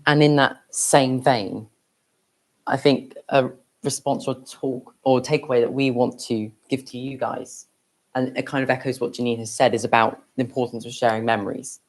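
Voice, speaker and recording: A young adult with a mid-pitched voice speaks at a public event. The delivery is plain and explanatory, addressed to an audience. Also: fairly even intonation, normal speed.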